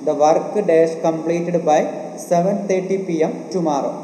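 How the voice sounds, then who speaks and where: Male exam coach with a Malayali accent, slightly high voice, drilling rules by repetition; roomy reverb. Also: steady tone, extremely slow, mellow. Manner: repetitive, asks questions and answers them himself. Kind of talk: online grammar lesson. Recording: echoey room with faint noise.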